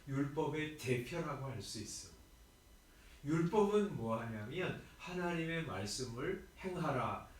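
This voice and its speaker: A man's voice: a little high, slight background noise. A male pastor giving an early morning sermon in a conversational way, with fillers and rhetorical questions. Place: church sanctuary. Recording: very echoey church hall, mic at a distance.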